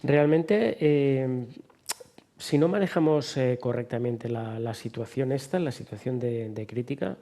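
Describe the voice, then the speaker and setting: A man hosting a television interview, asking long, framed questions with hesitant "eh" pauses. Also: mid-range voice, dark tone. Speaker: TV interviewer host.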